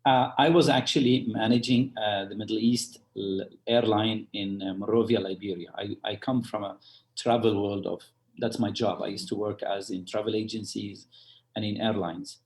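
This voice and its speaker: A lower-voiced man from Lebanon who tells his story haltingly, stopping and restarting often. He is a church leader speaking as a guest on a podcast interview. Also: fairly even intonation, a little mellow. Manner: halting, full of fillers and restarts, chuckles while telling stories.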